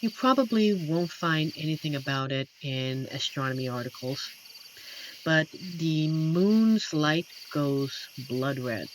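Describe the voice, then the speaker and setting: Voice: medium pitch, expressive, a little hiss or hum, low-quality recording. A performer voicing an amiable, lonely werewolf who protects a forest, speaking tenderly and earnestly in a scripted roleplay addressed to the listener. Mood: hushed storytelling. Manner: tender, earnest, playfully corny, hesitant pauses. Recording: clear insect and night ambience behind. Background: crickets and forest night ambience.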